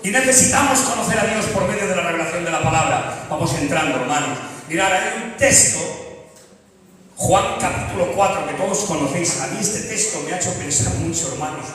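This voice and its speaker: A man with a Spanish accent preaching a sermon in a large church, moving from quiet storytelling to loud, fervent calls. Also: expressive, fairly quick, crowd noise. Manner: builds from low storytelling to loud fervent shouting. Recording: echoey hall, distant mic.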